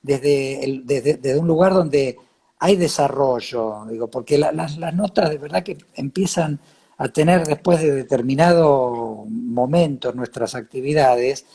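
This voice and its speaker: Husky, mellow man with a Cordoba Argentine accent. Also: medium pitch. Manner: halting, repeats words while searching for phrasing. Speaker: interviewer. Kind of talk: reflective conversational interview.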